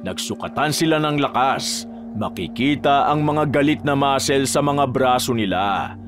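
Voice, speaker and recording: Animated male horror narrator. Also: medium pitch, a little slow. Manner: dramatic, animated. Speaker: horror storyteller. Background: faint background music.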